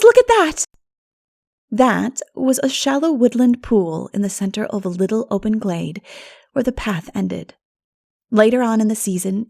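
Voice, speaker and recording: A woman reading a classic novel as an audiobook narrator, in an expressive storytelling manner. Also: mid-range voice, creaky. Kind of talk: scripted literary narration.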